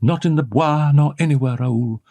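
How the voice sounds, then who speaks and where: A man's voice: a little high, moderate pace, mellow, dry recording, natural voice. A man doing a grave, sorrowful young woman. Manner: grave, breaking, subdued.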